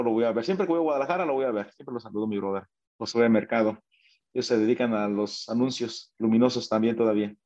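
Mexican man, interview guest, lively anecdote teller who voices the people in his story, slightly muffled recording. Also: medium pitch. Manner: animated, acts out quoted dialogue, many fillers and restarts.

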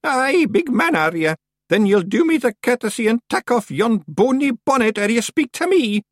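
A man's voice: extremely high pitch, sing-song, normal speed, dry recording, clean studio sound, voice pushed up. A man voicing a formidable old witch woman, bossy and sly, with a Scottish accent, in an audiobook story. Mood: commanding. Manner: bossy, barking orders.

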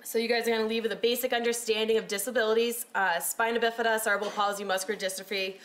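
Woman, 30s, recreational therapist presenting, loud voice, casual and chatty, many fillers, fairly high pitch. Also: level tone, fast talker, poor audio. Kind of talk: casual talk to a small audience. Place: room with a presentation screen.

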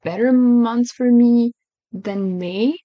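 A woman's voice: a little high, takes it slowly, no room sound, highs cut off. A woman co-hosting a music podcast in casual chat, often hesitant and correcting herself, giggling between thoughts. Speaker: podcast co-host.

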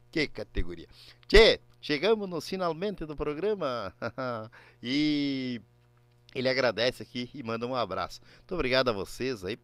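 A man hosts a regional radio program in a southern Brazilian gaúcho accent, rambling through folksy shout-outs to his listeners. His voice is smooth and resonant at a middle pitch, and it is recorded close and dry with no room sound. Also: no echo. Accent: Rio Grande do Sul gaúcho. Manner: folksy, rambling, slangy greetings. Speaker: radio host.

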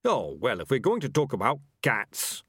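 A man voicing a gruff, pompous old male rat leader in a storybook, growling and grumbling sharply. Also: mid-range voice, sing-song, normal speed, no room sound, clean studio sound, pitched above the performer's own voice.

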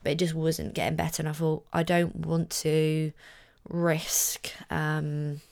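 A young woman hosting her podcast, talking casually with a husky voice hoarse from shouting, telling a rambling story. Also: deep voice, level tone, slow pace. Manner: chatty, rambling storytelling with fillers. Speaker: podcast host. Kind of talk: casual solo podcast chat.

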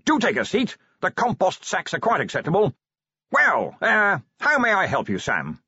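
A man voicing a loud, booming, jovial old wizard who runs a university, hearty and exclamatory in an audiobook. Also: wildly swooping pitch, normal speed, creaky, breathy edge, no echo, lo-fi sound, heavily acted. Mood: cheerful, booming.

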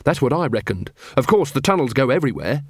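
A man's voice: medium pitch, big pitch swings, fast, no echo. Man doing an earnest young watch corporal.

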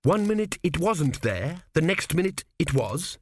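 A man's voice: fairly high pitch, sing-song, measured pace, a little mellow, a little hiss or hum, pitched above the performer's own voice. A man voicing an earnest, naive young prince who sounds anxious and a little pleading in an audiobook. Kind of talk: audiobook character voice.

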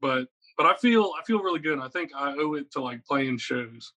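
A man's voice: medium pitch, moderate pace. Guy in his 30s from virginia, rambly and upbeat, keeps saying like and right. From Virginia, USA. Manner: energetic, rambling, lots of "like" and "right?". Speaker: guest, metal guitarist. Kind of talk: casual interview chat.

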